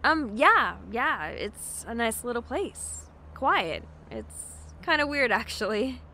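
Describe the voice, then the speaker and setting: A woman playing a shy, friendly young bookstore worker in an audio drama, soft-spoken and hesitant. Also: fairly high pitch, sing-song, slow, a little hiss or hum, exaggerated voice.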